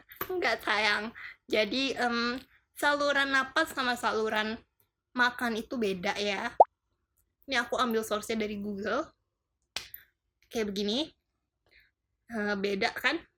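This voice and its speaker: A woman speaks with a fairly high pitch and a bright, sharp tone. Her pitch varies in an ordinary way, and she leaves long, frequent pauses. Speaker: YouTuber. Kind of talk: storytime Q&A vlog. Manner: casual.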